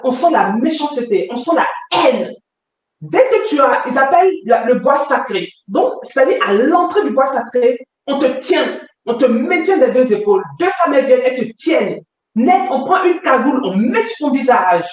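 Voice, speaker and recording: A woman's voice: high voice, very animated, moderate pace. A woman giving an emotional personal testimony, retelling events vividly and intensely. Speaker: testimony giver. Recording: echoey room, distant mic.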